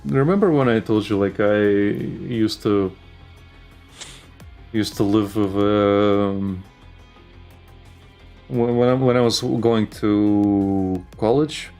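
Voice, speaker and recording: A man's voice: on the low side, slow pace, long pauses, darkish tone, soft background music. A man co-hosting a casual chat show, rambling with lots of fillers and restarts. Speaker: podcast co-host.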